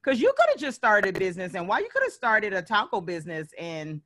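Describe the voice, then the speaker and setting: A woman hosting a podcast, asking her guest questions in a deliberate, emphatic way. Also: mid-range voice, big pitch swings, a bit bright, no echo. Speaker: podcast host. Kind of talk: podcast interview.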